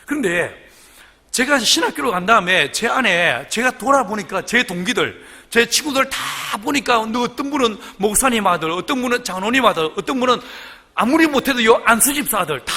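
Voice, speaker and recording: A middle-aged man preaches at a revival meeting in a church. His voice sits high and swings widely, with a bright, slightly husky edge. A long hall reverb trails after every phrase. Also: a little fast. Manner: animated, storytelling with voiced quotes and laughter. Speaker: guest pastor. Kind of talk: revival sermon. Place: church sanctuary.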